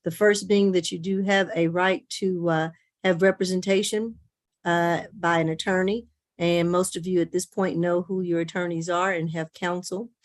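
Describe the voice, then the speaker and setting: Measured woman judge addressing a court. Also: on the low side, little pitch movement. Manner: measured, explanatory, procedural. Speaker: judge presiding over a court calendar. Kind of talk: formal court announcements, procedural explanation. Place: remote court hearing on video call.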